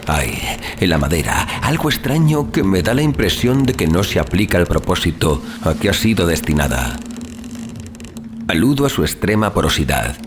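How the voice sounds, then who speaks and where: A man narrating a horror audiobook in a measured, solemn, theatrical manner, as a dramatic scripted reading. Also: sits low, noisy background. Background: music.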